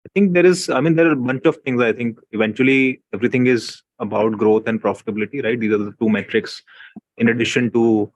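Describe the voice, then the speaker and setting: A man speaking as a company executive, giving unscripted answers to investor questions with measured, hesitant phrasing. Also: medium pitch, no room sound, low-quality recording. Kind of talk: unscripted earnings call answers.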